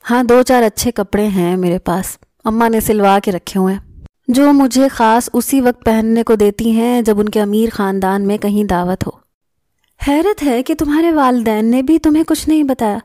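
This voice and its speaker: A woman's voice: fairly high pitch, mellow, no room sound, studio quality, natural voice. A woman voicing a young male mechanic husband who teases his new wife, in a scripted audio story. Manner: mocking, laughing tone at times.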